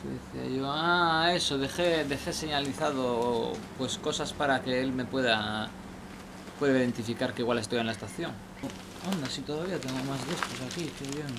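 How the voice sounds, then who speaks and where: Young guy with a gravelly voice rambling outdoors at night, camera on the ground, lots of noise. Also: medium pitch, brisk. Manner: rambling, hesitant, with many restarts. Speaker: vlogger. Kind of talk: casual spoken advice. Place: outdoors under a station shelter at night. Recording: noisy outdoor night recording.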